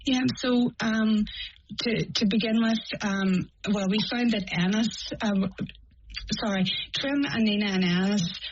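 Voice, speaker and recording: A woman with a Northern Irish accent, a journalist answering interview questions and often pausing and restarting as she sets out court figures. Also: medium pitch, steady tone, muffled recording, background noise. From Northern Ireland. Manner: hesitant, many pauses and restarts while reporting figures. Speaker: court reporter, journalist guest.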